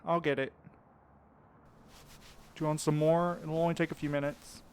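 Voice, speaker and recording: A man's voice: a little high, level tone, normal speed, a little mellow, clean tone, close to an everyday voice. A man acting in an audio drama as an anxious, devoted partner, earnest, caring and a little hesitant. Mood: caring, flustered. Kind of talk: fiction podcast acting.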